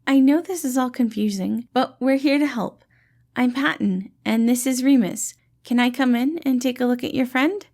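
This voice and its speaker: A woman's voice: sits high, moderate pace, pitched above the performer's own voice. A woman voicing a tiny, kindly, cheerful male healer who talks in an eager, reassuring, fatherly way for a storybook. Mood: friendly, reassuring. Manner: eager, reassuring, gentle, calls people kiddo.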